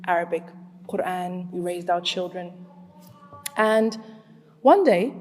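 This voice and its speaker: A woman's voice: mid-range voice, a little mellow. A woman in her forties who grew up in Zimbabwe, speaking at a community event. She asks the audience questions, then tells a personal story. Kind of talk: storytelling talk to a live audience. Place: large hall with an audience. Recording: long reverb of a large hall.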